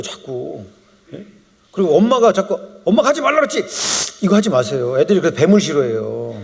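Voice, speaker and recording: A man with a high, very expressive voice is giving a joke-filled sales lecture to a live audience. He slips into the dialect lines he quotes and plays them out. His voice rings with the long reverb of a lecture hall. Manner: lively, joking, acts out dialect quotes.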